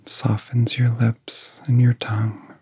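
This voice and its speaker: A man guiding a relaxation in soft-spoken ASMR style, with a soft, whispery voice and gentle, soothing phrasing broken by long pauses. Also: medium pitch, monotone, dry recording. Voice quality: soft, breathy, often whispery. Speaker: ASMR hypnosis guide.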